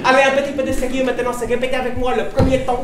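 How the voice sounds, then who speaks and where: A woman's voice: high voice, monotone, very fast, distant mic, over a noisy crowd, lightly acted. Woman putting on a sing-song teacher. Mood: teasing. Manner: sing-song, exaggerated tones, chuckling asides. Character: cheerful female Chinese language teacher, cheeky and teasing. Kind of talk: stand-up character sketch. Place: comedy club stage. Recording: roomy live stage mic from afar. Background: loud audience laughter.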